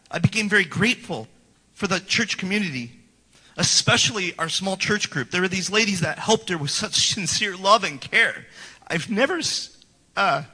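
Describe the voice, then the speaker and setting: A man's voice: high voice, pushed and bright, slightly rough. A man in his forties giving an earnest, prepared church testimony and acting out his past scorn, in a church sanctuary. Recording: long hall reverb.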